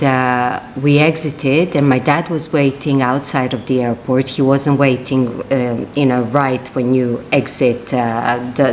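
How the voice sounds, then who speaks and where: A woman's voice: very deep voice, slight background noise. A woman in her forties from Serbia, chatting casually in a rambling vlog with lots of fillers and restarts. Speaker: vlogger.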